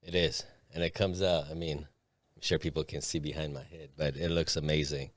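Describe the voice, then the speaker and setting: Laid-back male co-host, very low voice, dry close sound. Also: level tone, a little fast, no room sound. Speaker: podcast co-host. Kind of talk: casual interview chat.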